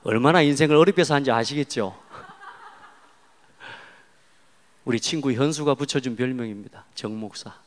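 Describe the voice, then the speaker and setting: Korean pastor preaching in a reverberant church. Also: male voice, mid-range voice, unhurried, pauses often. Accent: Jeolla Korean. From South Jeolla, Korea. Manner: storytelling, swings from hushed to loud emphatic. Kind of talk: sermon. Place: church sanctuary. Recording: long church hall reverb.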